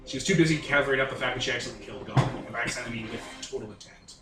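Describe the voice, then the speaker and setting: A man's voice: medium pitch, racing, over loud music. A man working as game master, improvising narration and rulings in a casual, conversational way. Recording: roomy, distant, noisy home recording.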